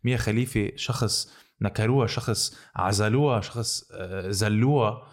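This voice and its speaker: Very fast, low-voiced Lebanese man. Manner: switches between Arabic and English, swears freely. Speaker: podcast host. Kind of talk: casual bilingual podcast conversation.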